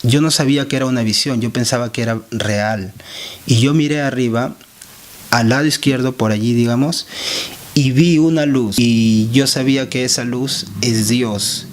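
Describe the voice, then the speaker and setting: Earnest evangelist, testimony style, halting delivery. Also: male voice, mid-range voice. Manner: earnest, halting, with pauses and restarts. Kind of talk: spoken religious testimony.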